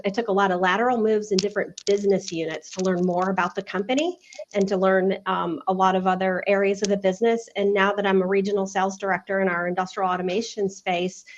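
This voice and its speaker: A woman in her fifties with a mid-pitched voice, speaking in a measured, chatty way with frequent "um"s. The recording is a little dull and muffled. Casual interview tone. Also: a little hiss or hum. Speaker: guest, regional sales director. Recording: slightly muffled sound.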